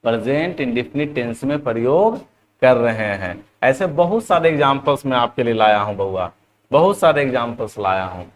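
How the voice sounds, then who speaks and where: A man teaching English grammar to students, explaining in Hindi, slowly dictating example sentences and often addressing the class as "children". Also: mid-range voice, expressive. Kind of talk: classroom lesson.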